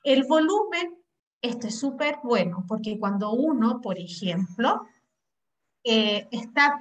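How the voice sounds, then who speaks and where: A woman with a Chilean accent teaching a class over a video call, explaining at length and often checking that her students follow. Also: on the high side. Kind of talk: online class lecture. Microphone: laptop mic on a video call.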